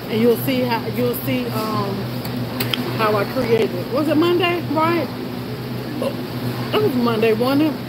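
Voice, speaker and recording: Over loud background noise, a woman speaks at a fairly slow pace. She takes long, frequent pauses. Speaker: shopping vlogger. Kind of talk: casual vlog chat. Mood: relaxed, chatty. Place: shop. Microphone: phone near.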